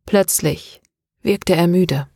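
A woman narrating a novel as an audiobook, in a steady, even reading voice. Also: on the low side, takes it slowly, slightly rough, no room sound, clean studio sound. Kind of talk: scripted narration.

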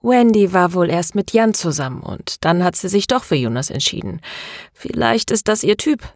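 A woman's voice: on the low side, animated, moderate pace, no echo, clean studio sound. A woman narrator voicing a troubled young woman who hesitantly confides in her best friend.

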